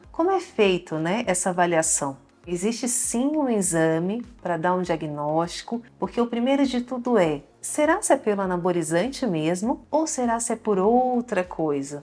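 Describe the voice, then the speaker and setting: Over music in the background, a woman with a medium pitch talks at a moderate pace with very wide pitch swings and hardly any pauses. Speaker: ear, nose and throat doctor. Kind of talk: medical explainer talk to camera.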